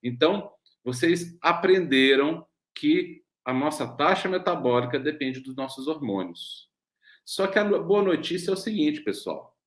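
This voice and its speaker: A man's voice: fairly high pitch, animated, a little slow, echoey room. A man with a Brazilian Portuguese accent, a doctor giving a mentoring lecture, explaining patiently and often checking in with "né?" and rhetorical questions. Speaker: doctor leading a weight-loss mentoring program.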